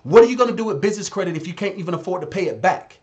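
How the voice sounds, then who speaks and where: A man's voice: high voice, animated, very fast, darkish tone. A man in his thirties, a business consultant giving blunt, exhorting advice on a live stream and repeating phrases for emphasis. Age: 30s.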